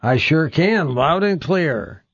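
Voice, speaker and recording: Brisk male radio call-in host. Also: on the high side, expressive, no echo, highs cut off. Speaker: radio talk show host.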